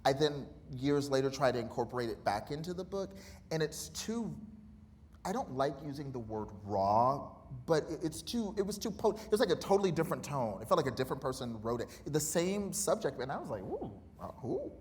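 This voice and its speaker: Animated, candid man in a reverberant hall. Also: on the high side, brisk. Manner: animated, candid, laughs often, acts out remembered dialogue. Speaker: author guest. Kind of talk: live conversational interview. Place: college auditorium. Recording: reverberant hall with faint noise.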